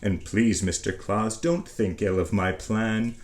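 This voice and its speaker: A man voicing a theatrical skeleton who grandly longs to be Santa in a storybook, with dramatic, drawn-out emphasis. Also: on the low side, fairly even intonation, lightly acted. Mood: grandly scheming. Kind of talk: storybook character reading in verse. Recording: roomy echo.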